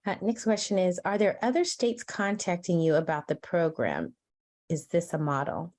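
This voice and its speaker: Woman, event moderator, reads out questions, introduces speakers, lower voice. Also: expressive, moderate pace, darkish tone.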